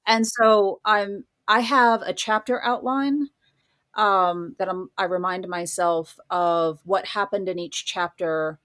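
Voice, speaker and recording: A woman's voice: mid-range voice, steady tone, slow, fairly bright tone. A woman talking casually as an interview guest, explaining things informally with examples. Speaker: guest author.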